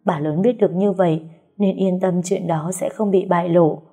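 A woman's voice: lowish voice, steady tone, normal speed, dark tone, slightly rough, faint music behind. A woman voicing a frightened female household servant who stammers as she confesses. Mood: pleading. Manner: trembling, stammering.

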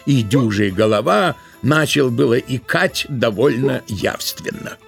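A man narrating a literary tale for an audio drama, with expressive storytelling delivery. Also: medium pitch, unhurried, gravelly, faint music behind.

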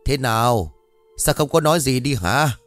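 A man voicing a cranky old villager in his seventies who holds grudges and shouts and gloats at two boys. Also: medium pitch, animated, moderate pace, no room sound, faint music behind, natural voice. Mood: gloating.

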